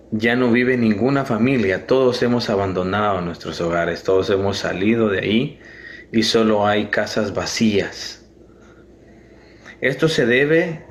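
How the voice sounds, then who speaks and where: Young guatemalan guy talking slow and serious in a video clip, lowish voice, faint noise behind. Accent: Guatemalan Spanish. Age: young adult. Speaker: video speaker. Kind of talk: prepared video statement.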